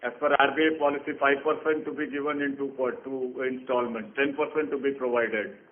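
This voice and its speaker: A man, a company executive, answering on an earnings call in a halting way with many restarts. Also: medium pitch, little pitch movement. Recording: roomy phone line audio.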